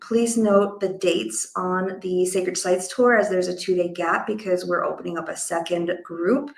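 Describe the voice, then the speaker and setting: Female host, effusive and informal, mid pitch with plenty of vocal fry, roomy echo. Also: steady tone, a little slow. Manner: effusive, uses casual filler words like "like". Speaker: host and event organizer. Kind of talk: casual enthusiastic online interview.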